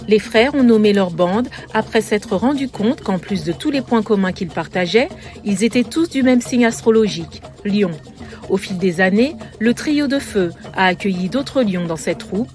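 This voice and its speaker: Woman, news voice-over, measured lyrical reading, faint music behind. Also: medium pitch, lively intonation, a little mellow. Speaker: reporter. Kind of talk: scripted news narration.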